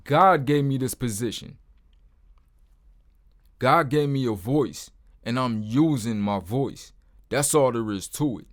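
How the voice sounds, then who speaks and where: A man with a deep voice, hosting his own Christian channel, speaks to the camera in a blunt, informal way and often drops in "man.". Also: takes it slowly, pauses often. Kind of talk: casual testimony to camera.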